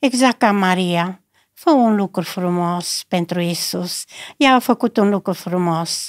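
A woman's lively intonation at a very slow pace, over a quiet background. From Romania, Bihor county; Romania. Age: 70s. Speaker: hospital volunteer evangelist. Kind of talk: testimony. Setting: studio. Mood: warm, earnest storytelling. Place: office. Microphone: studio mic.

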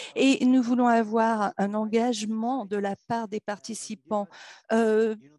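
A woman speaks in a dark, mellow tone with fairly even intonation. The sound is dry, with no echo. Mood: formal, slightly apologetic. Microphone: video call.

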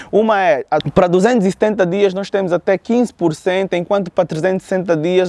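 The background is quiet, and the sound is dry with no echo. Pitch varies in an ordinary way. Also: man. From Angola. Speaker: personal finance YouTuber. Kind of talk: YouTube explainer video. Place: garden.

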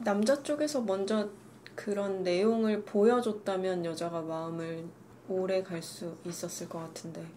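Speaking at a fairly slow pace, this voice has a dark, mellow tone, ordinary pitch variation and big swings in loudness over light background noise. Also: woman. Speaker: youth center director; co-host of counselling show. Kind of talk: panel discussion. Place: office.

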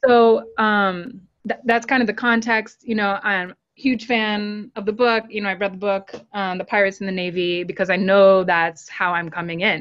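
A woman at a moderate pace and medium pitch, fairly even intonation, quiet background. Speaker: audience member. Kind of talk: audience question. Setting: video call. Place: home room. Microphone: video call.

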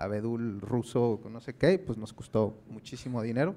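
A man's unremarkable speaking voice at a fairly slow pace. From Mexico City (Iztapalapa); Mexico City. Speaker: architect; speaker. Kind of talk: talk presentation. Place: hall. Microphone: handheld.

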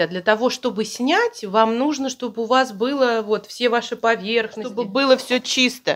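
A woman's moderate-paced speech comes through against a quiet background. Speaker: mukbang vlogger. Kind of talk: casual vlog chat. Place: kitchen. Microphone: lapel.

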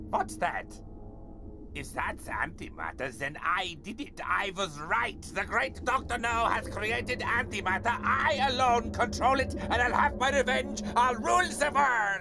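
A man puts on a cartoonish character voice at a fairly slow pace. Background noise is clearly audible. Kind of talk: cartoon villain acting. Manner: megalomaniac, gloating, short-tempered.

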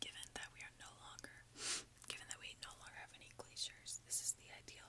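This is a whispering woman. She keeps to a moderate pace. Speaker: ASMR creator. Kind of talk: ASMR audiobook-style reading. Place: home room. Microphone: earbuds.

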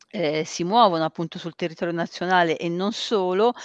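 At a moderate pace, a woman speaks with fairly low pitch and fairly even intonation, the sound dry with no echo and the background quiet. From Tuscany. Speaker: university rector and statistics professor; statistics professor. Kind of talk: interview. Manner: halting, many fillers. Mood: calm, cordial. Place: office. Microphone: headset.

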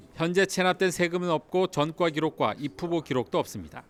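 Recorded dry and close with no echo, a man speaks with a high pitch. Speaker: news reporter. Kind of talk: news report. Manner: formal.

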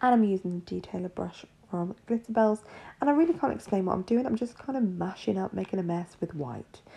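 A quiet woman's voice. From England. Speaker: nail artist and educator; educator. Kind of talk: tutorial. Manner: casual, chatty. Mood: relaxed, jokey. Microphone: phone near.

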